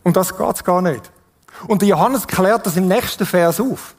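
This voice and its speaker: A man's voice: high-pitched, normal speed. A man with a Swiss German accent preaching a sermon in an earnest, conversational way, often putting questions to his listeners.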